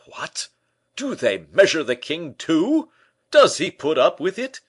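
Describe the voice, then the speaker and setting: A vain, blustering middle-aged nobleman, put on by a male reader, pitched well above the reader's own voice and pushed loud. He talks pompously and bristles with indignation. A storybook character of great self-importance. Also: huge pitch swings, takes it slowly, breathy edge, exaggerated voice. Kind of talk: audiobook character voice.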